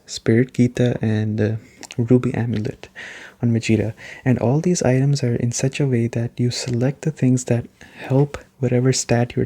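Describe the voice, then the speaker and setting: A soft-spoken man giving a relaxed, explanatory gaming chat in an ASMR style, rambling a little as he goes. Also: mid-range voice. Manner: rambling, explanatory, often checking in with "right?". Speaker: gaming reviewer and host.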